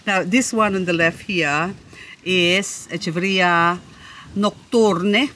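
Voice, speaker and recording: A woman in a casual show-and-tell vlog, talking slowly and lingering over her words. Her voice sits a little low, and she gushes and admires as she chats. She jokes playfully with herself, with faint background noise behind her. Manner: gushing, admiring, chatty. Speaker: succulent-growing vlogger.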